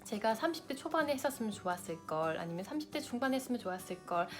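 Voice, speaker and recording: A woman's voice: fairly high pitch, expressive, fast talker. Vlogger, woman, late 30s, big-sister advice to camera, faint music under. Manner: warm big-sister advice, direct address to viewers. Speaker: lifestyle vlogger.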